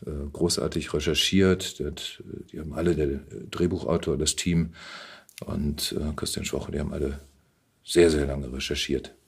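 Deep, husky-voiced German man. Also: fairly even intonation, moderate pace. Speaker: podcast guest, actor and voice actor. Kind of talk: casual interview conversation.

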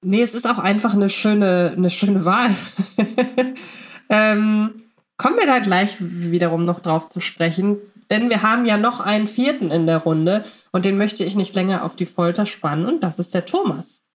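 A woman with a mid-range voice hosts a relaxed group talk. She is chatty and wordy as she moderates the round and hands questions to her guests. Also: medium pitch, moderate pace. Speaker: podcast host.

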